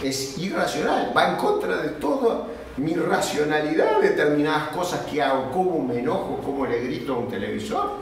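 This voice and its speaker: High-pitched man teaching in echoey room. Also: sing-song, moderate pace. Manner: conversational, peppered with questioning tags to the class. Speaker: literature workshop teacher. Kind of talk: informal lecture, reading notes aloud with asides. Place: echoey classroom with students. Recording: echoey room, distant mic, faint noise.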